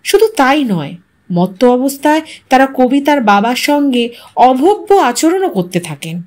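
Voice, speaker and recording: A woman with a distinctly high voice narrates a short story. Her delivery is scripted and dramatic, with expressive phrasing that leans into rhetorical questions. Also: measured pace.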